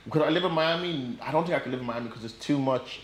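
A young man from Nigeria raised in Ireland, a guest talking in a casual sit-down interview, animated and rambling with plenty of fillers, on a lapel mic. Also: mid-range voice, fast talker, a crowd in the background. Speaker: guest, forex trader. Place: bright living room, indoors. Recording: echoey room.

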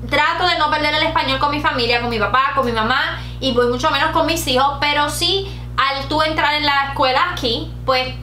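A woman's voice: sits high, fairly quick, bright, forceful tone, roomy sound, slight background noise. A woman in her late twenties with a Puerto Rican Spanish accent, chatting giggly to camera as a beauty vlogger, dropping in English words. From Puerto Rico. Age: late 20s. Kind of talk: casual chat to camera. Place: bright home room with shelves. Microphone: camera at desk distance.

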